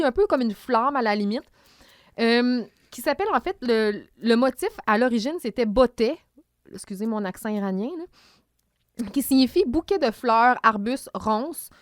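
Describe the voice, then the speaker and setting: A woman with a Quebec French accent and a voice on the high side co-hosts a casual podcast, recapping an episode at a moderate pace. She explains things at length and in detail, with many fillers, in a dry, clean studio recording.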